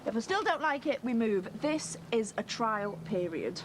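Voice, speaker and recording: A woman's voice: fairly high pitch, expressive, noisy background, natural voice. An actress playing a brassy, outspoken woman in a TV soap. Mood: bossy. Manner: blunt, quick, bossy. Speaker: partner of the neighbour. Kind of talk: TV soap acting.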